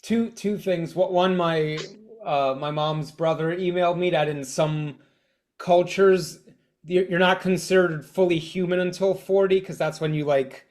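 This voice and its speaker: A man in his forties with a fairly high voice talks in a casual podcast chat. He restarts and repeats words often and jokes at his own expense. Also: steady tone. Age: 40s. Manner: halting, repeats words, self-deprecating humor. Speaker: comedian guest.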